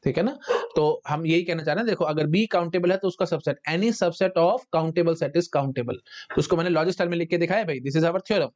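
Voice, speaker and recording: A man gives a recorded math lecture in mixed Hindi and English, with a fairly high voice. He keeps checking in with "ठीक है" and "है ना?" and slows right down to dictate definitions. The recording sounds dull and lo-fi. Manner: dictates definitions slowly, word by word. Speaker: teacher. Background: dogs barking outside.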